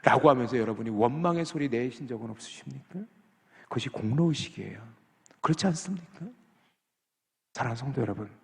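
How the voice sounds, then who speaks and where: A man's voice: mid-range voice, gravelly. A man preaching a sermon as a pastor, questioning the congregation and acting out people's complaints. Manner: animated, asks the congregation questions, acts out complaints. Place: church sanctuary. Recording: long reverb of a church hall.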